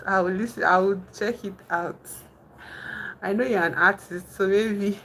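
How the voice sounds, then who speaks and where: A woman's voice: mid-range voice, measured pace, fairly bright tone, slight background noise. A young Nigerian woman with a Nigerian accent, hosting a casual live stream, chatting with viewers and thinking aloud with many fillers and restarts. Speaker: livestream host.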